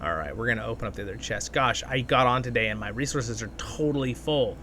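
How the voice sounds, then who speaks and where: A man's voice: medium pitch, quick pace, background noise. A man hosting a gaming channel, chatting enthusiastically and thinking aloud in casual gameplay commentary. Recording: music playing behind the voice. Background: music.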